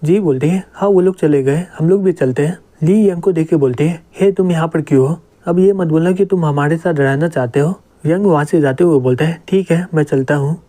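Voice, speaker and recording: A man's voice: fairly high pitch, a little fast, hardly any pauses, mellow. A man narrating a comic story, reading out every character's lines himself and introducing each with a short tag before the quote.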